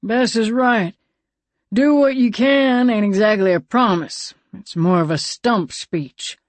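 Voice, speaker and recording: A talking six-gun with a slow Western drawl, wry and folksy, voiced by a woman narrator. He sounds plainly different from the narrating voice. The recording is dry and close. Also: medium pitch, no room sound, voice pushed up, natural voice.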